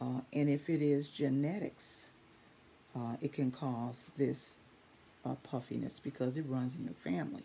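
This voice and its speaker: Over light background noise, a woman speaks fairly slowly in a very deep, low pitch with a dark, mellow tone. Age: 60s. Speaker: beauty vlogger. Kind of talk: product review tutorial. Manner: casual, chatty. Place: home room. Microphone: phone near.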